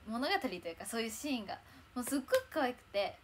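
A woman's voice: on the high side, very animated, fast, slight background noise. A young woman chatting casually on a livestream in a bubbly, chatty way, thanking viewers as they arrive. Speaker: idol livestreamer.

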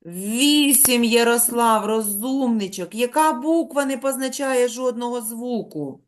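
A middle-aged woman teaching a primary school class, dictating slowly and patiently to young children. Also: on the high side. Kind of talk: classroom lesson.

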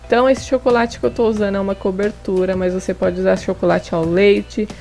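Faint music plays behind a cooking channel host's voice-over as she demonstrates a recipe at her home kitchen table. The young woman speaks a little fast in a steady, creaky, darkish, medium-pitched voice, walking through each step with friendly tips.

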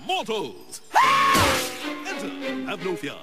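A man voicing a grumpy, theatrical cartoon mystic who mixes booming pronouncements with peevish chat. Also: wildly swooping pitch, slow, full character voice. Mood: imperious. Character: grumpy, theatrical all-powerful Master of Evolution. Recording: loud music behind.

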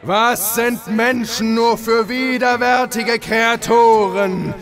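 An actor playing a wrathful, vengeful male god in a horror audio drama, booming and contemptuous. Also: steady tone, slow pace. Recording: voice over loud music.

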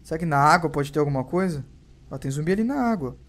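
A young man with a Brazilian accent commentating his gameplay, who swears constantly and yelps and shouts whenever he is startled. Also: a little high, animated, fast. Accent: Brazilian Portuguese. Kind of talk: let's play commentary.

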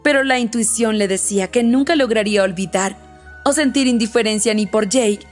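A woman narrates a romance audiobook with smooth, even storytelling. Her voice sits a little high. The reading is scripted and measured. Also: soft background music.

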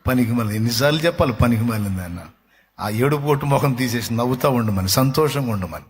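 A man's voice: mid-range voice, lively intonation, fast talker, husky. A male pastor preaching a sermon, fervent and chatty by turns, teasing the congregation. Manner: fervent, rising to loud sung lines, then chatty and teasing.

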